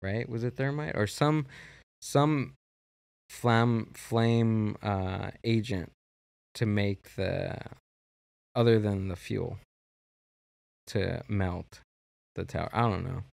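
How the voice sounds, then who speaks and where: A man's voice: fairly low pitch, steady tone, creaky, a little mellow, no room sound. A man hosting a casual podcast chat, rambling and restarting his sentences often in a studio. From Mexico. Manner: rambling, halting, many restarts. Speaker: podcast host.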